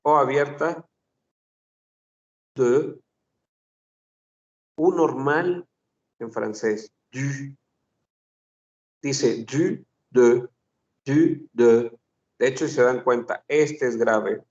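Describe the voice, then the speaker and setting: A man's voice: mid-range voice, slow, recorded from a distance. A man teaching a French phonetics class, patiently repeating sounds and examples. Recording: dull lo-fi recording.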